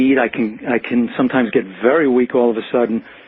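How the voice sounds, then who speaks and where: A man talking at a fairly quick pace amid noticeable background noise. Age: 60s. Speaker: caller. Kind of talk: health question on call-in show. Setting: phone call. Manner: hesitant with many fillers.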